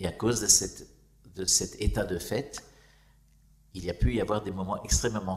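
The man's voice is fairly low. His delivery is fairly slow. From France. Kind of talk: testimony. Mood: calm, reflective. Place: home room. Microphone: lapel.

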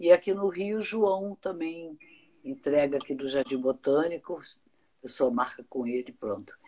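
A woman talks at a fairly slow pace in a fairly low voice. Her tone is dark and mellow, and her pitch swings very widely. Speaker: guest. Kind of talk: casual conversation. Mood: friendly, promoting her book. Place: home room.

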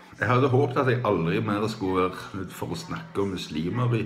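Fairly quick speech with ordinary pitch variation, light background noise, and audible room echo. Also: man. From Norway. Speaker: video blogger. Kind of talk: casual monologue. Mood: serious, indignant. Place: home room. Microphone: phone near.

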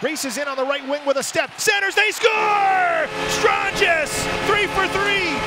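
Over loud background noise, a man shouts in a raised, projected voice at an extremely high pitch, his tone animated and excited, the sound dry with no echo. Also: ordinary pitch variation. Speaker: hockey play-by-play announcer. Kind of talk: live play-by-play commentary in highlight reel. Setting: arena broadcast recording. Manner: animated, fast-paced, excited on goals; clipped rhythm, rising intensity at each score. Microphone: headset.

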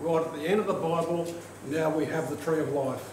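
A man speaks at a moderate pace with audible room echo. Noticeable background noise runs underneath. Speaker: minister leading a service. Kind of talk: call to worship reading and announcements. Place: church. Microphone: podium.

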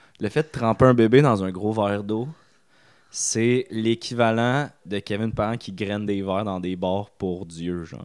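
At a fairly slow pace, a man with a fairly low pitch and ordinary pitch variation talks with big swings in loudness against a quiet background. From Quebec. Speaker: comedian. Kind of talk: casual chat. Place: home room. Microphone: studio mic.

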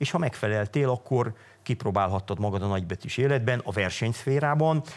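This man talks at a moderate pace. His intonation is lively. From Hungary. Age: 50s. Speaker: politician; interviewee, former lawyer, politician. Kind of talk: interview. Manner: halting, with many fillers. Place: studio. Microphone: lapel.

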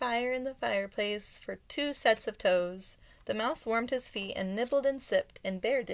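This is a reading aloud in a natural voice.

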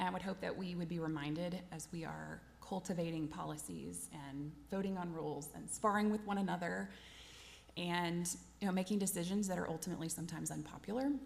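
Talking at a very fast pace in a Southern US accent, a woman with a fairly low pitch and ordinary pitch variation is heard with audible room echo. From Arkansas. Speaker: state education board chair. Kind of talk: formal meeting opening remarks.

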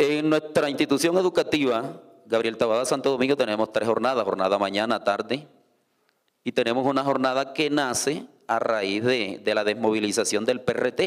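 In a plain, everyday voice, a man talks at a moderate pace and medium pitch, with ordinary pitch variation, very even loudness and a quiet background. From Colombian Caribbean (Ovejas, Sucre); Colombia. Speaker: school teacher; teacher panelist. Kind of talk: panel discussion. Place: hall. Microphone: handheld.

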